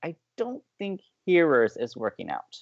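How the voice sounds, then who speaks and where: An earnest, teasing college radio co-host in a scripted audio comedy, sociable and keen on romance. The pitch swings in a lively way with theatrical emphasis, and the sound is slightly dull. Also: unhurried, creaky, no room sound, heavily acted. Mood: playful.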